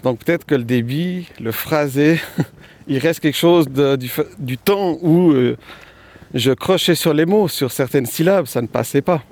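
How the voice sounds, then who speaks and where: A man's voice: a little high, a little slow, a little mellow. A man being interviewed as an author, with a light Swiss French accent that has an unplaceable touch. He talks in a thoughtful, hesitant way with many fillers, walking outdoors. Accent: light French-speaking Swiss with an unplaceable touch. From Romania. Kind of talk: conversational interview.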